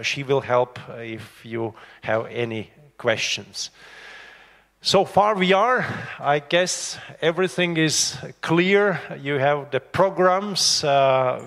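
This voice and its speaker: A man's voice: medium pitch, creaky, a bit bright. A man hosting a conference, giving housekeeping notes and introducing a speaker, hesitant with many fillers and light humor. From Latvia. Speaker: conference host. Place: conference room. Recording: reverberant conference hall.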